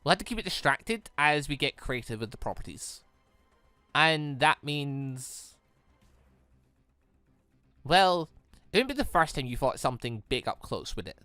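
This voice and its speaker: A man hosting a let's play, reading visual novel dialogue aloud in an animated way and reacting excitedly as he goes. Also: a little high, measured pace, pauses often, dry recording, faint music behind. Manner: animated, stumbles while reading and exclaims at the story.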